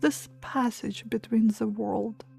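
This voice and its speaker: Female meditation guide: highish but mellow, hushed and soothing, unhurried short phrases, soft music behind. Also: steady tone. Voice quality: soft, breathy, near-whisper at times. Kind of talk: guided meditation, hypnotic relaxation countdown.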